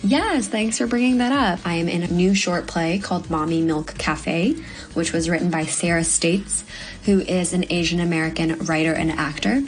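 A woman in her twenties from Hong Kong, a young actor giving earnest, measured interview answers with the odd "um". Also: lowish voice, fairly even intonation, faint music behind, low-quality recording. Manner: earnest, measured, with frequent ums. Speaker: guest actor.

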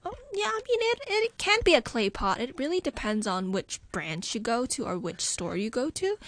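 A woman's voice: fairly high pitch, very animated, moderate pace, a bit bright. A woman from Hong Kong, a regular guest on a radio show, cheerfully explaining local food. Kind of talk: casual radio chat. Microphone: studio microphone.

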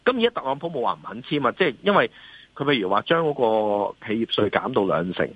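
Husky Hong Kong man, dull call line. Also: medium pitch, sing-song, quick pace, dry recording. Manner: emphatic, repeatedly seeks agreement with rhetorical questions. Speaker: financial analyst and columnist, guest. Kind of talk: off-the-cuff market commentary in an interview.

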